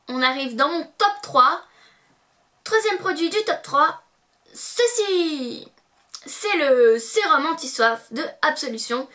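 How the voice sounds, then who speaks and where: Casting young woman beauty vlogger, high bright voice, bubbly and excitable. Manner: bubbly, excitable, playful repeated sing-song words. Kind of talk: casual product review to camera.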